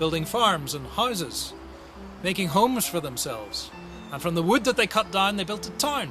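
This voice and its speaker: Lively intonation from a high-pitched man at a moderate pace, with music in the background. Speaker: documentary narrator. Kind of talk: historical documentary narration.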